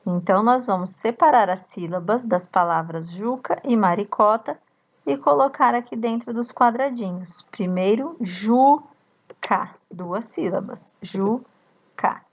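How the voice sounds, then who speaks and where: A woman teacher with a Brazilian accent, slowly reading a workbook lesson aloud to young children and chanting the syllables. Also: medium pitch, highs cut off. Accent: Brazilian Portuguese. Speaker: primary school teacher.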